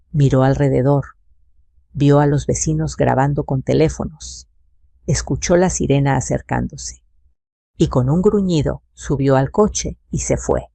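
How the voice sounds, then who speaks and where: An older woman narrating a first-person family drama in a steady, dramatic way. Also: rumbling low, creaky, dry recording.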